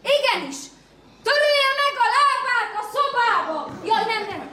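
A shrill, muddled young servant. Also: female voice, lively intonation, sharp tone, full character voice. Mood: confused. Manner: shrill, eager and confused. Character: flustered dim-witted young household servant. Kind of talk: 1930s radio cabaret acting. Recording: hissy, roomy old archive radio recording.

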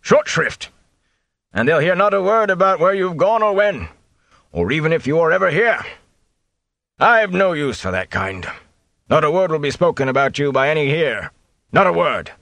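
Innkeeper: a man playing a hearty, boastful middle-aged host, loud and high-pitched, dry read. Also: expressive, moderate pace, gravelly, long pauses, dry recording. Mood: jovial.

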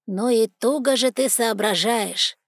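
A woman voicing a proud, sardonic male talking raven with a hoarse, croaking voice and a slow, cold, mocking manner. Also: on the high side, no echo, studio quality. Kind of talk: audiobook character voice.

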